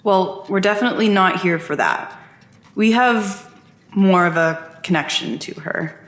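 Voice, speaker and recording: A wary, skeptical searcher in an audio drama. His voice is high for a man, blunt and plainspoken, and recorded in an echoey space. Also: measured pace, a bit bright. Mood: guarded, skeptical. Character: blunt, wary nephew seeking his lost aunt. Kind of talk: scripted audio drama dialogue. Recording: echoey room.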